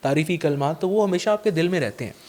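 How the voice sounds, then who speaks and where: A man's voice: a little high, quick pace. Chatty male podcast host. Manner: chatty, warm formal address, frequent fillers. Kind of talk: casual interview chat.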